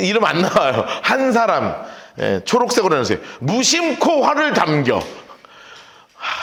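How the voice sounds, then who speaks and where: A pastor leading a lively Bible study lecture, acting out scenes and shouting the quotes. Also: male voice, fairly high pitch, echoey room. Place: church hall.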